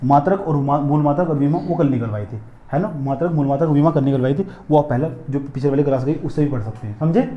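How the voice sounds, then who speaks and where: Fast-talking male physics teacher, echoey room. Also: fairly high pitch, dull audio. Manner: repetitive, drilling questions to students. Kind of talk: classroom lecture. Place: classroom.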